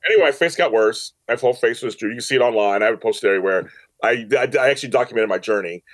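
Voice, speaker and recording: Talking very fast at a medium pitch, this audio drama producer tells personal stories as a guest on a podcast. His casual, emphatic style leans on repeated phrases for emphasis.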